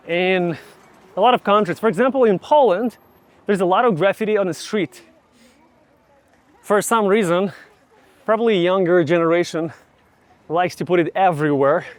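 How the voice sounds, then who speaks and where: A young man with a Ukrainian accent, vlogging outdoors while walking city streets, chatting casually and slowly explaining English words. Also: sits high. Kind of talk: casual travel vlog with teaching asides.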